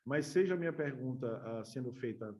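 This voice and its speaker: A man with a Brazilian Portuguese accent gives an online English lesson in a mid-range voice. He explains patiently, repeats each word slowly and often pauses to check in with his students. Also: medium pitch, lively intonation, mellow. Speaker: English teacher.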